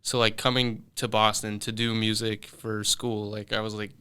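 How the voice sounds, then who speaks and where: A man in his twenties, raised in London, answering interview questions in a relaxed, hesitant way with many fillers and restarts, in a studio. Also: lowish voice, normal speed, smooth. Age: 20s. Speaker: guest musician.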